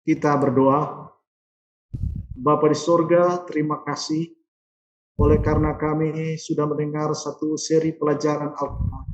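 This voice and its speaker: A man serving as a guest pastor, his voice sitting somewhat high for a man. He delivers his teaching and his closing prayer in a measured, solemn manner. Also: little pitch movement, reverberant, dull audio. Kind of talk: teaching then leading a prayer.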